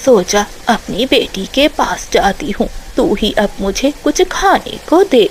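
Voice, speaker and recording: A woman's voice: medium pitch, very animated, takes it slowly, a little hiss or hum. A woman voicing a hungry, weary old mother crow in a cartoon. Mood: pleading. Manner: tired, pleading.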